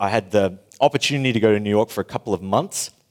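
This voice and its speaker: A man with an Australian accent speaks with ordinary pitch variation in a very clean, dry and close recording with a silent background and no echo. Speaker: preacher. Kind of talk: sermon. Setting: church. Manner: informal, friendly, humorous.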